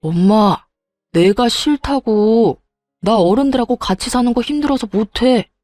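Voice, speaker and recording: A woman's voice: on the high side, a little slow, dark tone, dry recording, faint music behind, close to an everyday voice. A woman voicing a hot-headed grown son who whines and blames his mother in a storybook reading. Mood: exasperated. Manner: whiny, exasperated.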